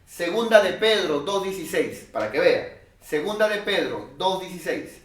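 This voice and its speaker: A man preaching a sermon as pastor, emphatic, swinging from loud calls to quiet asides. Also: high-pitched, very animated, moderate pace, roomy sound. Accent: Peruvian Spanish.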